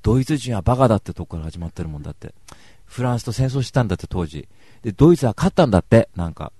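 A man's voice: lowish voice, very animated, racing, dark tone, slightly rough, no echo. A man giving a casual, rambling book review, wry and self-mocking.

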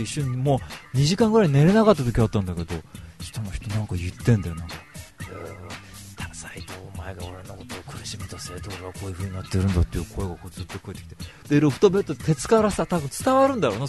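Hosting an online radio show, a man delivers a casual, rambling monologue packed with slangy rants and self-mockery. His voice is mid-range and a little mellow.

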